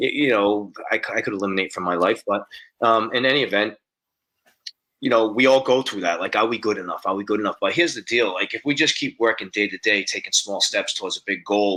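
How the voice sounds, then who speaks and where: Speaking very fast with an East Coast accent, this man has a medium pitch, ordinary pitch variation and a bright, sharp tone. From Rhode Island. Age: 50s. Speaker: fitness entrepreneur. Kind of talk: podcast interview. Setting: studio. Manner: many fillers, self-corrections.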